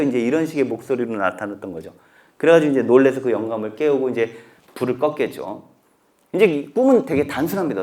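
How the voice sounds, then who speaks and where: A male professor giving a humanities lecture, telling stories in a lively, conversational way and acting out the lines he quotes. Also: medium pitch. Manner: conversational, asks listeners to look closely.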